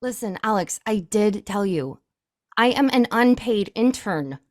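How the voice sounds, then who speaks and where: A woman's voice: mid-range voice, animated, unhurried, dry recording, voice pushed up, natural voice. Woman voicing a whiny sulky henchman, old radio play, dry sound. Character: whiny put-upon male gangster sidekick.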